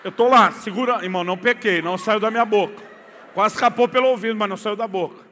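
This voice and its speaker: Animated Brazilian pastor, high bright voice. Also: male voice, quick pace, a little hiss or hum. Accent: Brazilian Portuguese. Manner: animated, swings from quiet asides to near-shouting. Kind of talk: humorous sermon storytelling. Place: church. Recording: echoey church hall.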